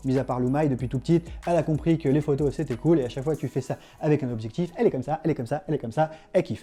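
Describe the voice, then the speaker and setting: A man speaks in a fairly high-pitched, somewhat breathy voice with a dark, mellow tone. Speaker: tattoo artist and YouTuber. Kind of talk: casual vlog storytelling. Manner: fast.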